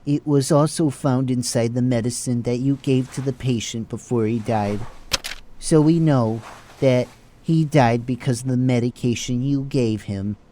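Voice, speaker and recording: A man playing a stern, condescending hospital chief of staff in an audio drama, formal and measured. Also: mid-range voice, dark tone, slight background noise, close to an everyday voice.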